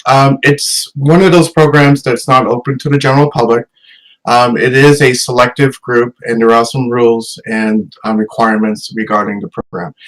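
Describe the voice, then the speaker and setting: A middle-aged man from Massachusetts, an educator presenting a talk with slides, hesitant and filling pauses with many ums. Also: fairly low pitch, rough recording.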